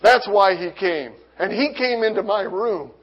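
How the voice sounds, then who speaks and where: Man with a high voice sharing a faith testimony, earnest, restarts often, reads scripture; dull lo-fi recording. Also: unhurried. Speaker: testimony speaker.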